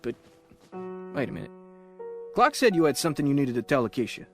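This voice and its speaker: A man's voice: medium pitch, very animated, brisk, a bit bright, faint music behind. An actor playing a lovesick, sheepish man in an audio drama, talking in a hesitant, rambling, self-deprecating way. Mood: frustrated, confiding. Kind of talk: audio drama acting, conversational.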